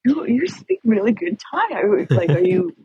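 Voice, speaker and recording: Husky-voiced woman, chatty and laughing. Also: medium pitch, big pitch swings, moderate pace, dry recording, highs cut off. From United States. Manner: laughs often, chatty storytelling. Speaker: podcast guest. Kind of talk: casual chat.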